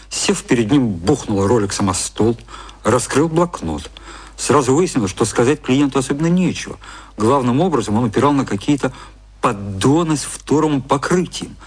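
An actor narrating a satirical radio play as a composed, dry storyteller reading literary prose. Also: male voice, medium pitch, husky. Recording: music under the narration.

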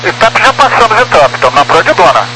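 A man's voice: sits high, sing-song, quick pace. A Brazilian man, an airline pilot, speaking in brief readbacks over aircraft radio. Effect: cockpit radio transmission. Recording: noisy humming air-band radio.

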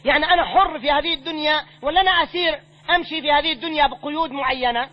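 A sheikh teaches a religious lesson, taking recited verses one line at a time and explaining each in plain colloquial speech. His man's voice sits very high. The recording is dull and lo-fi. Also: racing. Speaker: sheikh teaching a creed text.

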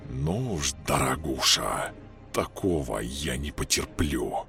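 A man voicing a mocking, scheming parasite voice that lives in a young man's head, speaking low and coarse. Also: lively intonation, slow pace, creaky, sharp tone, faint music behind, full character voice. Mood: menacing.

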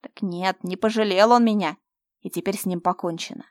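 Brief: woman playing a loud, menacing male usurper, harsh and overbearing, dry close sound. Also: lowish voice, fast, no echo, natural voice. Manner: shouting, threatening. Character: cruel domineering young man, menacing usurper.

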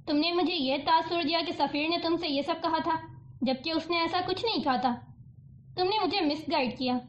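A woman voicing a stern, quick-tempered young woman in a storybook reading, with a sharp scolding delivery. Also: very high voice. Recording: dull lo-fi audiobook recording.

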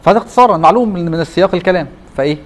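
Speaking very fast in a high-sitting voice, this Egyptian Arabic-accented teacher lectures his class. He repeatedly throws out rhetorical questions to get students thinking.

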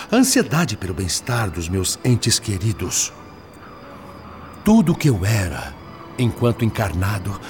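A man's voice: mid-range voice, darkish tone, natural voice. A man with a Brazilian Portuguese accent playing a troubled spirit father who earnestly confesses his struggle in a radio drama. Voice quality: earnest, pleading. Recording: radio play with faint music.

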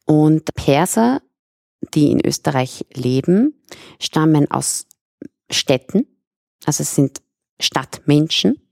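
A woman's voice: deep voice, expressive, slow pace, vocal fry, long pauses, darkish tone, no echo, clean studio sound. A young woman from Iran, a guest in a conversational interview, explaining at length with restarts.

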